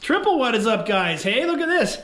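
An excitable man talks straight to his viewers as he wanders through an empty abandoned house. His voice sits fairly high. He's picked up by a handheld action camera, with a faint hiss underneath. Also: moderate pace. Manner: excitable, keeps calling out to viewers. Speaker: urban explorer vlogger. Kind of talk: casual exploring vlog to camera.

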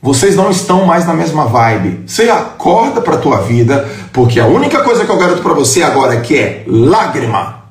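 A fired-up man delivers a motivational talk with a blunt, profane, confrontational edge. His pitch sits a little high and swings widely as he hammers his points home. The sound carries a roomy echo around him. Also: big pitch swings, brisk. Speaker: motivational speaker. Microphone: live stream. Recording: echoey room.

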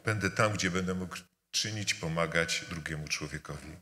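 A preacher with a fairly low but bright, forceful voice delivers a sermon during a church service at a moderate pace. He builds his points through repetition, alternating between loud appeals and hushed words, while the church hall's long reverb trails each phrase over slight background noise.

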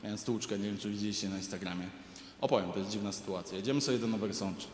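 A stand-up comedian with a lowish voice tells a profane story at rapid-fire speed on a large arena stage, animatedly acting out the people in it. His handheld stage mic picks up a little hiss or hum, along with the echoing arena, crowd ambience and audience laughter.

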